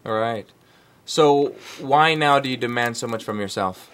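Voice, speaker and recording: A man's voice: medium pitch, measured pace, fairly bright tone, no echo. A man with a Jamaican accent hosting an interview, reading an upbeat admiring introduction and then asking questions. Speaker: interview host.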